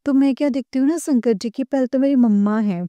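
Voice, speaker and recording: A woman's voice: sits high, fairly quick, warm tone, dry recording. A woman from Uttarakhand with a slightly sore throat, earnestly recounting a dream to her congregation in a casual, filler-heavy way. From Uttarakhand, India. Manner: earnest, addresses listeners as congregation, many fillers. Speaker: devotee sharing a dream. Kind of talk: casual spoken testimony.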